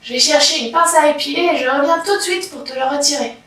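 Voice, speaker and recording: A woman's voice: sits high, quick pace, fairly bright tone. A woman voicing a small, sly white rabbit who fusses and gives orders, in a storybook reading. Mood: bossy. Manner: fussy, bossy instructions. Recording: very echoey room, from far off.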